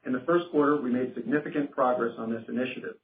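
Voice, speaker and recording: A man's voice: mid-range voice, steady tone, quick pace. Man on a roomy, phone-like line. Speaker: company finance executive on an earnings call. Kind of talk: formal scripted financial presentation. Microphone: conference phone call.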